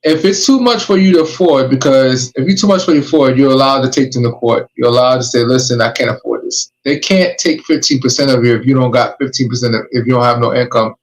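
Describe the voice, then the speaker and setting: A man's voice: mid-range voice, quick pace, hardly any pauses, low-quality recording. A man hosting a podcast, giving emphatic, streetwise warnings and advice in casual chat. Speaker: podcast host.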